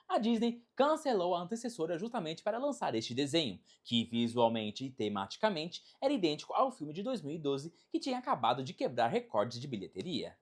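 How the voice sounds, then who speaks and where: Lively, dramatic Brazilian narrator. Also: mid-range voice. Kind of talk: scripted video essay narration.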